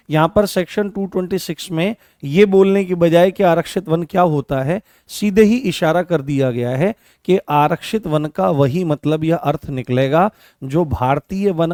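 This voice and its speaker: A man's voice: a little high, darkish tone, no echo, clean studio sound. A man teaching an exam coaching class online. He repeats key phrases over and over as he writes, and asks questions that he answers himself. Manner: repeats key phrases many times while writing on a board.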